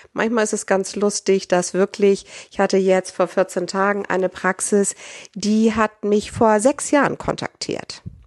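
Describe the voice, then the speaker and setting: Over a quiet background, a woman with a normal speaking voice talks fairly slowly at medium pitch with fairly even intonation, in a dry, close sound with no echo. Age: 50s. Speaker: mediator and practice consultant. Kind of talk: interview storytelling.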